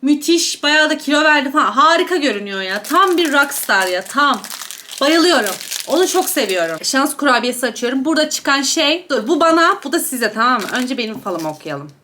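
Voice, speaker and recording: A woman's voice: sits high, very animated, a little fast, sharp tone, a little hiss or hum. A young woman chatting casually while eating on camera, gossiping and gushing about celebrity outfits. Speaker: beauty and gossip YouTuber. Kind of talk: casual mukbang chat reviewing celebrity outfits.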